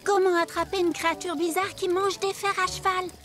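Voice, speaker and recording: A woman's voice: very high voice, little pitch movement, fairly quick. A woman voicing an anxious, earnest young cartoon girl in a cartoon dub. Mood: worried. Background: music.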